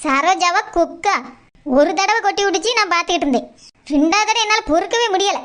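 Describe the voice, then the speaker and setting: An aggrieved, mischievous cartoon woman with an extremely high, piercing voice. She complains at a quick clip, whining. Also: fairly bright tone. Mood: grumbling, scheming. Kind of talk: cartoon dub dialogue.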